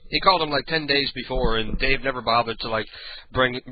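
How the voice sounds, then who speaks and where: An older host with a booming, raspy voice and clogged sinuses rambles through profane, laid-back late-night radio talk, repeatedly clearing his throat. He speaks fairly quickly, and the audio is narrow and tinny.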